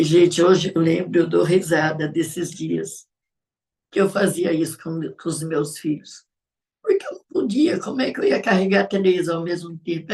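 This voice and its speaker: A middle-aged woman with a Brazilian Portuguese accent, hosting a live show and speaking in a heartfelt, reflective way with soft laughs. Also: on the low side, distant mic. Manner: emotional, reflective, laughing softly between thoughts. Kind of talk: heartfelt live-stream talk.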